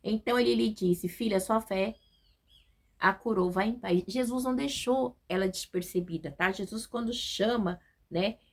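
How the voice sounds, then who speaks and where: A woman with a Brazilian Portuguese accent leads a casual devotional Bible study, reading scripture aloud and checking in conversationally with her listeners. Her voice is medium-pitched at a moderate pace.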